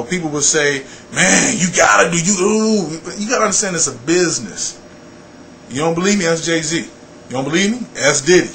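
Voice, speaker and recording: A middle-aged American man talking casually as an interview guest, blunt and animated, repeating phrases for emphasis. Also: fairly high pitch, a little hiss or hum, poor audio. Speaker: radio personality and program director, interview guest.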